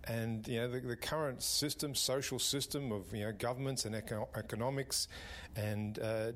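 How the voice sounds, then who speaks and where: A man's voice: medium pitch, steady tone, moderate pace, fairly bright tone. A man speaking hesitantly on a talk radio panel, rambling with many restarts. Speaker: panel guest.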